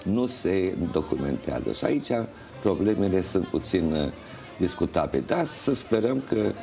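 Very deep-voiced older man, mellow. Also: very animated. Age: older, around 60s. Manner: halting, measured, pausing mid-phrase. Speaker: interview guest, folk festival organizer and juror. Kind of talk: studio interview, explaining. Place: indoor TV studio. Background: music playing.

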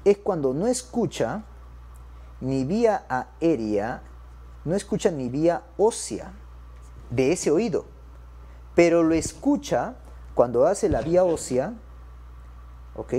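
A man's voice: on the high side, very animated, takes it slowly, pauses often, mellow, breathy edge. A man giving an exam-prep medical lecture to doctors. He keeps checking in with his listeners and addresses them as doctors.

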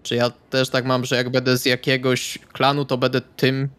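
Male RPG player, flat mid-pitched voice, hesitant and questioning, casual table talk. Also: normal speed, clean tone. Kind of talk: casual in-character game chat.

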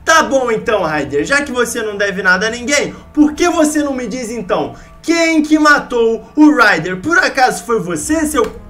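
A woman's voice: a little high, animated, normal speed, few pauses, a bit bright. A woman hosting a gaming video, telling an improvised story with theatrical, accusing questioning. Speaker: host of a gaming video channel. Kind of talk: playful improvised story narration with game characters. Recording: music behind the voice. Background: music.

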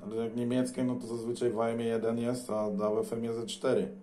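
A man's voice: mid-range voice, level tone, a little fast, heavy background noise. A man making casual, teasing and blunt small talk as a CB radio operator, in colloquial language.

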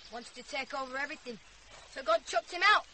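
A woman's voice: high voice, brisk, sharp tone. An actress playing a rebellious, outspoken fifteen-year-old country girl with a defiant, impetuous manner in a radio drama. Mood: eager, chatty. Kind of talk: naturalistic radio drama acting. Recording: radio drama with faint background noise.

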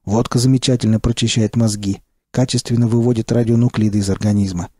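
A man voicing a quiet, calm male stalker who speaks tersely and matter-of-factly in an audiobook. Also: lowish voice, fast talker, breathy edge, no room sound, clean studio sound.

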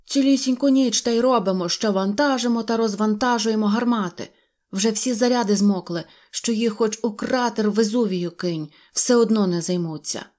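A woman's voice: medium pitch, moderate pace, a little mellow, lightly acted. Weary male toy artillerymen grumble and curse their hard night's work, put on by a woman. They sound raised and fed up, small storybook soldiers. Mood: grumbling. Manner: complaining, raised voice.

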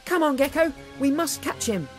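A woman's voice: high voice, expressive, normal speed, voice pushed up. A woman voicing an earnest, brave child superhero in an exclamatory way for a children's toy story. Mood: alarmed. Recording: music behind the voice.

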